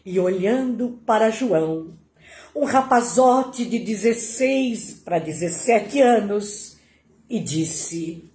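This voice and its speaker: A woman telling a devotional story in a slow, dramatic, emotional way. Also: mid-range voice, animated, mellow. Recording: roomy echo.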